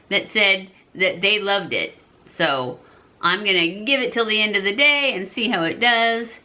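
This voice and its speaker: A woman's voice: medium pitch, pushed and bright. A woman in her fifties giving a casual, chatty makeup review to camera. She rambles a little and corrects herself as she goes. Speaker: beauty vlogger.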